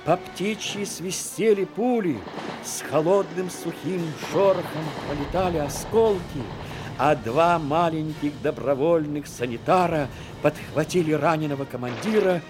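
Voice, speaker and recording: A man's voice: a little high, unhurried. A man reading scripted literary narration for a dramatic audio play. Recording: music under the voice.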